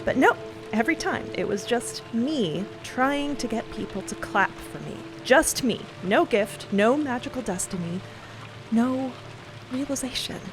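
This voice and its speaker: An actress plays a young woman in a fiction podcast, fiercely loyal and earnest. Her voice sits fairly high, and she talks in casual, emotional bursts with a teasing edge. Music plays clearly behind her. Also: lively intonation, a little slow. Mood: bitter self-reproach. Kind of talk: dramatic audio fiction acting, conversational. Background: music and rain sounds.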